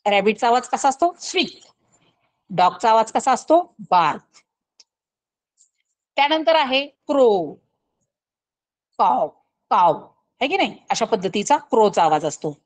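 A woman teacher with a Marathi accent, coaching pupils for a scholarship exam, explaining slowly and asking rhetorical questions. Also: fairly high pitch, big pitch swings, rough recording. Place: recorded online lesson.

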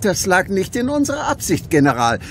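A confident little Gaulish hero in a comic radio play. The voice is high and animated, with a cheeky, assertive delivery. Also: male voice, a little fast, slight background noise, full character voice. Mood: firm, assertive.

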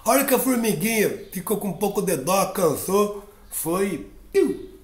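A man telling a children's fable in a lively, playful way, full of sound effects. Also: high-pitched, a little slow. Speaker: storyteller. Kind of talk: oral storytelling for a class. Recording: roomy echo.

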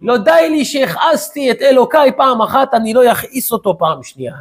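Guy doing a defiant jewish turncoat in a sermon story, husky and high. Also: lively intonation, full character voice. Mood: anguished.

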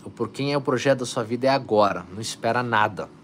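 A man's voice: medium pitch, fast talker, fairly bright tone, slight background noise. A man hosting a motivational live stream, urging viewers on with energy and reading out their comments. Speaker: live stream host, coach.

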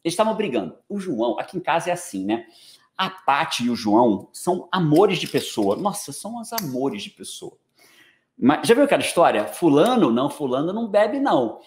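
A Brazilian man in his forties coaches a live online audience with a lively, bouncing voice that sits a little high. He jokes, drops slang and keeps checking in with his listeners. The sound carries the echo of a reverberant room. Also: brisk. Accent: Brazilian Portuguese. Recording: echoey room.

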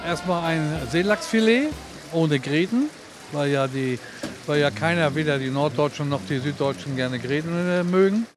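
An older man from northern Germany with a northern accent, speaking haltingly in a casual interview at an outdoor market. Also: a little high, music in the background. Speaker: fried fish vendor. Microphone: handheld reporter microphone. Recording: clear outdoor market noise.

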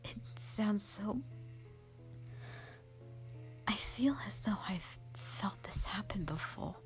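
A woman voicing a gentle, ancient black dragon, a protective and sorrowful elder sister, in a hushed, breathy, halting dramatic monologue. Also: medium pitch, lively intonation, whispered, soft background music. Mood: troubled, wistful. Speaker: audio roleplay performer. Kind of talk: soft whispered dramatic monologue, ASMR-like.

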